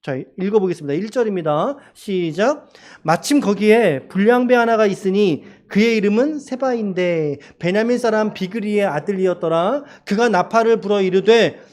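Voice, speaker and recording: A man's voice: sits high, normal speed, a little mellow. A man preaching a sermon as a pastor in a church, asking the congregation questions and crying out quoted lines dramatically. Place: church sanctuary.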